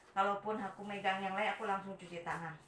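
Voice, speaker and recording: This woman's voice sits at a medium pitch. Audible room echo and noticeable background noise fill the recording. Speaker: vlogger and herbal drink seller. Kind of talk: casual vlog talk while packing orders.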